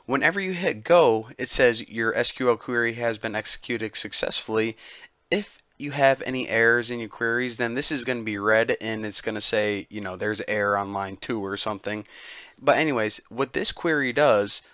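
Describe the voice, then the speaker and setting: A man's voice: medium pitch, normal speed, dry recording. A man hosting a casual screen-recorded tutorial, chatty and loose with many fillers. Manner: relaxed, chatty, uses many fillers like "go ahead" and "basically". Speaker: tutorial host.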